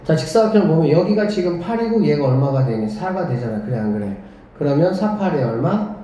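A man's voice: a little high, sing-song, fairly quick, mellow, a little hiss or hum. Guy teaching math at a whiteboard, keeps asking "right?", super echoey classroom, dull lo-fi sound. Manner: questioning, leads students with rhetorical checks; talks while drawing on the board, murmuring along. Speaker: academy director teaching math.

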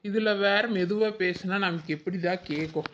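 A man's voice: sits high, normal speed, a bit bright, lo-fi sound. A whiny hungry village woman. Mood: complaining. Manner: whiny, complaining, hunger-obsessed. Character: hungry, fretful village woman Chinna Pulla. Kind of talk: cartoon voice acting.

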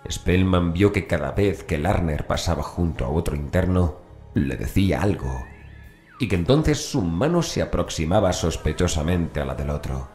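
Man, very deep voice, audiobook narrator, scripted horror storytelling, faint background music. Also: animated, moderate pace, darkish tone.

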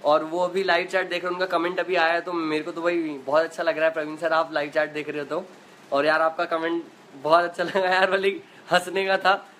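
A man's voice: a little high, flat delivery, fairly quick, fairly bright tone, a little hiss or hum, low-quality recording. Chatty young man on a phone live chat. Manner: chatty, laughs easily, uses filler 'matlab' and 'yaar'. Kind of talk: casual live chat reading viewer comments. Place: at home. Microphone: phone in selfie view.

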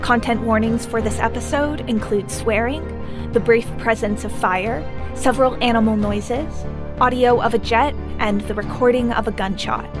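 A woman's voice: fairly high pitch, moderate pace. A woman announcer reading a scripted podcast introduction. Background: prominent music.

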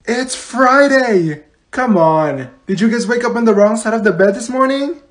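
A woman's voice: on the high side, animated, moderate pace, natural voice. A woman playing a bossy, falsely cheerful schoolteacher in a comedy classroom skit, with a snappy sing-song manner. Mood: perky, chirpy. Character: bossy, fake-cheerful female schoolteacher scolding her class.

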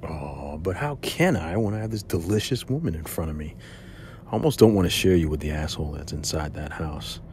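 A man's voice: a bass voice, animated, a little fast, a little mellow, a little hiss or hum. A man playing a flirtatious, protective spy with a hot temper in an audio drama. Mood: flirty, teasing. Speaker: voice actor in a fan audio drama. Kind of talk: audio drama acting, intimate.

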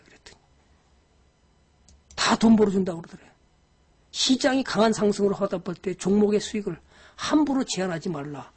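Husky woman scolding investors. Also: medium pitch, a little mellow. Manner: scolding, exasperated, with frequent sighs; chats directly with viewers. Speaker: stock investing lecturer. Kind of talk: live-streamed investing lecture.

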